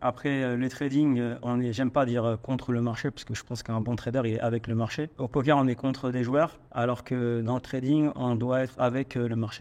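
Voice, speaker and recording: A man talks at a fairly quick pace with hardly any pauses, his medium-pitched voice monotone and flat. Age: 30s. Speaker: trader, former business owner. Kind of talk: interview. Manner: halting, many fillers.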